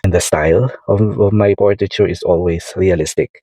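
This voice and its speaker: Filipino guy teaching drawing, mellow voice, lots of uh and you know, kinda rambly. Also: low-pitched, steady tone, normal speed, no room sound. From Philippines. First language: Tagalog. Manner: rambling, repeats words, frequent fillers. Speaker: art tutor. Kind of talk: casual tutorial talk over drawing.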